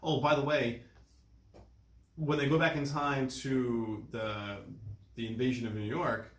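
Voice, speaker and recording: A man's voice: mid-range voice, level tone, measured pace, slight background noise. A man in a casual film discussion, recapping with restarts and emphatic agreement. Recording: roomy, echoing room sound.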